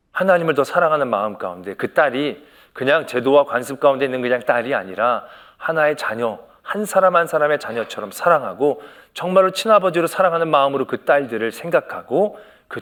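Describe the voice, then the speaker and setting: A man's voice: mid-range voice, a bit bright. A male senior pastor giving a Sunday sermon, telling a story and acting out quoted lines with humor and rising emphasis. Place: church sanctuary.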